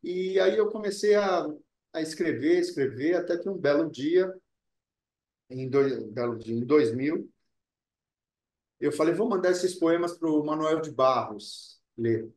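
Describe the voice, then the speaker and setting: Homem ponderado com voz aguda, numa sala com eco. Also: male voice, fairly high pitch, expressive, a little mellow, echoey room. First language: Italian. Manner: earnest, deliberate, repeats words while thinking. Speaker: actor, interview guest. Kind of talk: reflective interview talk.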